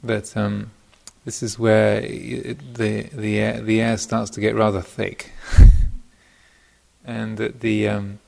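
Male meditation teacher, lowish and very gravelly, informal dharma talk, reflective, halting delivery. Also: flat delivery. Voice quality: gravelly, creaky voice. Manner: hesitant, thoughtful, pausing mid-phrase. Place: meditation retreat center.

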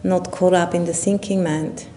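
Low, mellow woman guiding meditation. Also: steady tone, faint music behind. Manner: unhurried, halting phrases with long pauses. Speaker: Buddhist nun leading meditation. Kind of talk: guided meditation instruction. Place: retreat session at a monastery or retreat center. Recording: low rumbling background noise.

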